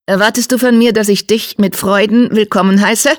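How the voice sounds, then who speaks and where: A narrator voicing a small black tomcat who leads a clan, cold and mocking, with a high, sharp voice and a faint hiss underneath. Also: steady tone, moderate pace, close to an everyday voice. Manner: mocking, icy. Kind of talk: audiobook character voice.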